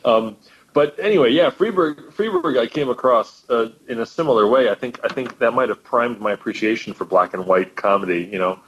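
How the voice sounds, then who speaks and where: A man who is a musician, a guest telling stories in animated casual chat. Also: medium pitch, fairly quick, slight background noise. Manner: animated storytelling. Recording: dull, lo-fi line.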